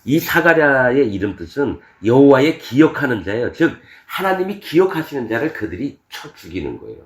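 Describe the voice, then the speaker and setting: Male pastor, animated sermon delivery that acts out the voices, roomy church sound. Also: medium pitch, normal speed. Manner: animated, acts out scripture voices with laughs and shouts.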